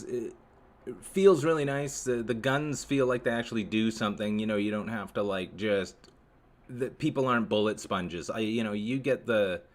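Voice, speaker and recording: A man hosting a live stream, chatting to viewers in a rambling, sarcastic and profane way. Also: fairly low pitch. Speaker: livestream host.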